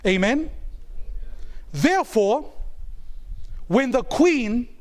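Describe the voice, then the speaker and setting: A preacher from New Zealand with a strikingly high voice delivers a sermon. He stresses his points through repetition and keeps pulling the congregation in with questions for them to answer. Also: sing-song, extremely slow, a little mellow. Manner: call-and-response, asking the congregation to answer; emphatic, repeats key phrases.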